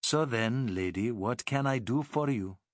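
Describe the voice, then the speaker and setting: A man's voice: medium pitch, unhurried, no room sound, studio quality, natural voice. A man doing a proud, courteous Arab sea captain. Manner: formal, broken English, courteous. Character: proud, shrewd middle-aged Arab boat captain.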